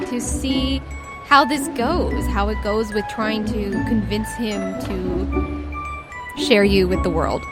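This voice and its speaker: A woman improvising narration as game master of a tabletop game, in a casual, halting, descriptive way. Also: medium pitch. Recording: music under the voice.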